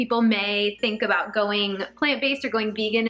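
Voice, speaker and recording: A woman is speaking. Her pace is moderate. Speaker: cooking vlogger. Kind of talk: casual vlog chat and tutorial. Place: kitchen. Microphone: phone near.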